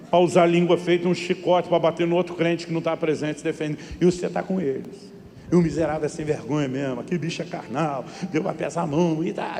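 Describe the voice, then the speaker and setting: A middle-aged Brazilian pastor preaches in a slightly high voice, acting out dialogue and building to emphatic peaks. His words ring through a reverberant hall, with faint music underneath. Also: dark tone. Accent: Brazilian Portuguese. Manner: storytelling, acts out dialogue, rising to emphatic peaks. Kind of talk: sermon.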